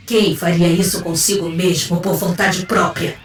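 A woman's voice: lowish voice, fairly even intonation, unhurried, recorded from a distance, lightly acted. A woman playing a cold, fierce android commander in an audio drama, clipped and commanding. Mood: defiant. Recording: echoey, off mic, faint music.

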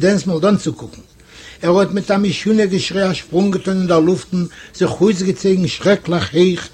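A man from Eastern Europe reading a classic story aloud in measured storytelling. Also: high voice, darkish tone, breathy edge. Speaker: audiobook narrator. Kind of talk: scripted literary narration.

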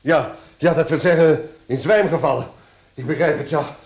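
An actor playing a formal, helpless company chief clerk in a radio play, stammering and repeating himself in an echoey room. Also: male voice, fairly high pitch, moderate pace, noisy background, close to an everyday voice. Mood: flustered. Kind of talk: Dutch-language radio play acting.

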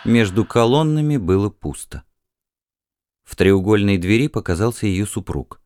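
A man narrating a literary story in a measured, expressive storytelling manner. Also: fairly low pitch. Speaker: audiobook narrator.

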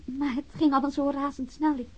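An actress playing a guarded, evasive witness in a radio drama, speaking hesitantly and with cool politeness. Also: female voice, high voice, little pitch movement, quick pace, lightly acted. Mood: guarded, polite. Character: guarded, evasive female witness under police questioning. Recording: dull lo-fi radio drama recording.

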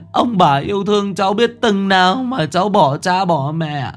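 A man's voice: on the high side, pitched above the performer's own voice. A man playing a wailing old grandmother. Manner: wailing, sobbing lament. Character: grief-stricken old grandmother wailing for her drowned grandson.

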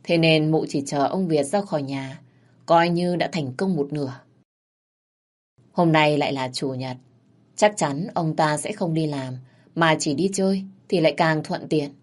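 A woman narrating a scripted story in a steady, plain storytelling manner. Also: low-pitched, unhurried.

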